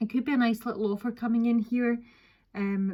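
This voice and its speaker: A woman speaks in a dark, mellow tone. Her voice is somewhat breathy. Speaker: tarot reader. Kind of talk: tarot reading monologue. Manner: fast; hesitant with fillers.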